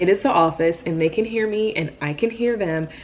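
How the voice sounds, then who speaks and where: A woman with an American accent, an animated tone, ordinary pitch variation and a moderate pace amid noticeable background noise. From New Jersey. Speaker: lifestyle vlogger. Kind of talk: storytime vlog.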